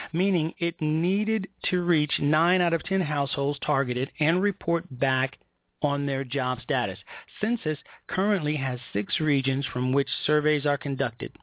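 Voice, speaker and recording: A man's voice: a little high, no echo. American male political commentator on phone-like audio. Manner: emphatic, indignant, deliberate phrasing with repetition. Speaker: political talk show host. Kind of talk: political commentary with read-out news articles. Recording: tinny, narrow phone-like line.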